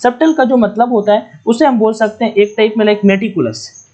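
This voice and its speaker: A man's voice: high-pitched, fairly quick, a little mellow. A man from India with a Hindi accent teaching English vocabulary in an online exam-prep lesson, spelling words out letter by letter and repeating key points.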